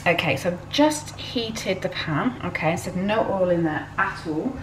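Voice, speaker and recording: Chatty home cook in her 40s, slightly hoarse, low voice, echoey kitchen. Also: lively intonation, measured pace. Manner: chatty, many ums, stresses points with "okay?". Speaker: cooking vlogger. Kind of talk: chatty cooking vlog to camera. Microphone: handheld camera close to face. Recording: echoey kitchen with faint hum.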